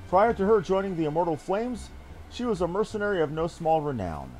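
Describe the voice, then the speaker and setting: A stern fantasy video game captain, voiced by a man reading aloud, speaking in a grave, formal manner with archaic turns of phrase. The delivery swings widely in pitch, over background music. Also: sing-song, fairly quick, darkish tone, rough recording. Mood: stern, intent. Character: earnest military captain briefing an ally on a spy hunt.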